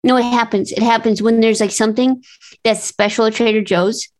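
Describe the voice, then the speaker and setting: A woman hosting a comedy game-show podcast, chatting in a lively storytelling way. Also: on the high side, brisk. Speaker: podcast host. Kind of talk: casual chat.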